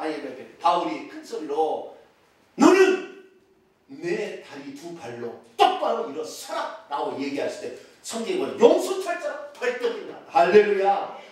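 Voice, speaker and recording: Recorded from a distance in a heavily echoing church sanctuary, a pastor with a regional Korean accent delivers a sermon. His high, very lively voice swings from loud exclamations to near-whispers.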